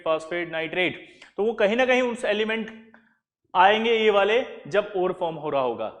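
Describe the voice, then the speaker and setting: A man's voice: high voice, in a large hall. A male chemistry teacher lecturing a class, who keeps quizzing his listeners with repeated questions.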